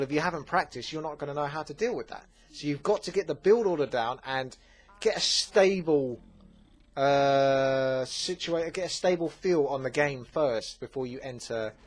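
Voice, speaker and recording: A man with an Essex accent, hosting a gaming channel, answering viewer questions in a relaxed, chatty way with plenty of fillers. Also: mid-range voice. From England. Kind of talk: casual Q&A commentary.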